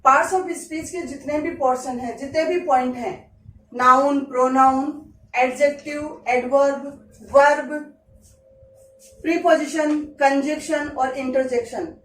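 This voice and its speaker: A woman with an Indian accent gives a slow classroom grammar lesson in a high voice, repeating each example word. She is recorded from some distance in an echoey room. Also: steady tone, fairly bright tone, slight background noise. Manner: repeats example words slowly, explaining in Hindi. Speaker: teacher.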